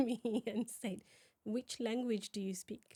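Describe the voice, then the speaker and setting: A woman with a French accent speaks in a dark, mellow tone with fairly even intonation. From France, Paris. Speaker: local politician. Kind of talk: interview conversation. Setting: podcast recording. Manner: halting.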